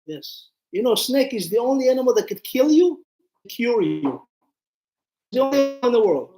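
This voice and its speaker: A man's voice: very high voice, big pitch swings, normal speed, dark tone, reverberant. A man, a rabbi, giving an informal Torah lesson, retelling stories with acted-out dialogue and putting questions to his listeners. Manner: conversational, acts out dialogue, puts questions to listeners.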